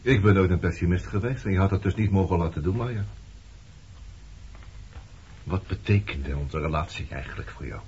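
A dull, slightly noisy old radio play recording carries an actor playing a stern man confronting his former lover. His voice sits on the low side. He questions bluntly and reproachfully. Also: normal speed, pauses often, a little mellow, lightly acted. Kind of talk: Dutch radio play acting.

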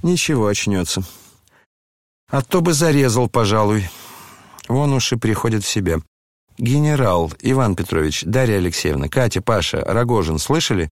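A man's voice: lowish voice, expressive, moderate pace, no echo, studio quality, natural voice. A man reading the lines of a proud, scornful young woman in an audiobook, commanding and defiant.

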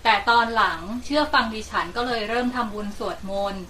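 A woman's voice: on the high side, brisk, bright, forceful tone. A woman politely reading out questions sent in by listeners. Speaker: reader of submitted questions. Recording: distant mic with faint noise.

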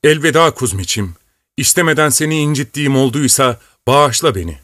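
A man's voice: mid-range voice, lively intonation, brisk, a bit bright, no room sound, clean studio sound, pitched above the performer's own voice, natural voice. A man voicing the elderly wife of a fort commander, blunt and devout, in an audiobook reading. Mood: tearful farewell. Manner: pressing, blunt questions. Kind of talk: audiobook character voice.

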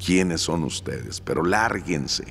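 A man voicing the possessive ghost of an older woman, giving slow, commanding orders. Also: extremely low pitch, animated, creaky, slight background noise, full character voice.

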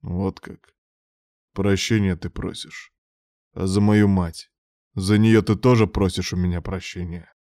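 A man's voice: low-pitched, little pitch movement, measured pace, warm tone, no room sound, clean studio sound. A man voicing a cold, vengeful man who speaks with clipped, contemptuous menace in an audiobook. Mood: bitter anger. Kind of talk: audiobook character voice.

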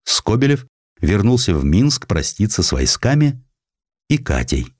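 A man narrating a historical essay as an audiobook, with an expressive, theatrical storytelling manner. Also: fairly low pitch, a little slow, husky, no room sound, clean studio sound.

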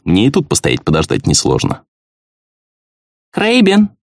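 A man narrating a first-person fantasy audiobook in an expressive, conversational manner. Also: low voice, brisk, no echo, clean studio sound.

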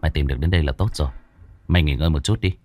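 A man doing a gruff young ghost hunter. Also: rumbling low, rapid-fire, darkish tone, a little hiss or hum, pitched below the performer's own voice. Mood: calm. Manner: gruff and scolding.

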